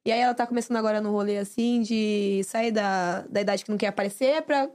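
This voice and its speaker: Fast-talking expressive young woman. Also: mid-range voice. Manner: expressive, laughs often, storytelling. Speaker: guest, reality show winner. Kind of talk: casual podcast chat.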